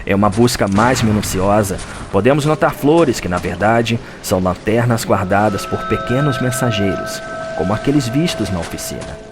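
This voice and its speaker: A man's voice: on the low side, lively intonation, moderate pace, background noise. A man with a Brazilian accent giving a solemn, dramatic scripted narration for an audio drama, like a chronicler telling a story. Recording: music under the voice. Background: background music.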